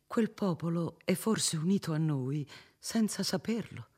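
A man voicing a gentle, compassionate old cardinal, speaking in a solemn, fervent tone in a storybook reading. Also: fairly high pitch, animated, unhurried, slightly rough, pitched above the performer's own voice.

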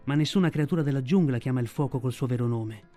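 Male audiobook reader, calm and measured, warm tone, faint music bed. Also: mid-range voice. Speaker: narrator. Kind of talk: audiobook reading.

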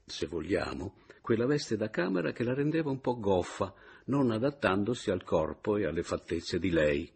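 A man narrating a literary novel as an audiobook reader, with expressive, varied intonation. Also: sits low, gravelly, slightly rough.

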